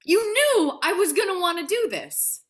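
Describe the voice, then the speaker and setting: A woman's voice: very high voice, big pitch swings, normal speed. A woman playing an indignant, proud young male grad student with cutting sarcasm in a dramatic table read. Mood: incredulous.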